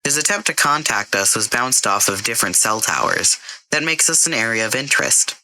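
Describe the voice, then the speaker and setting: A man voicing a dry, unflappable female AI assistant in an audio story, soft and matter-of-fact. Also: medium pitch, expressive, brisk, no echo, voice pushed up, poor audio.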